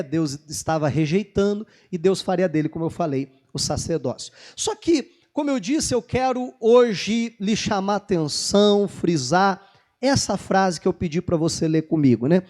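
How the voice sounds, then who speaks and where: Lively high-voiced pastor preaching. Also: male voice. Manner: lively, jokes with the congregation, acts out Bible dialogue. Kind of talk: sermon.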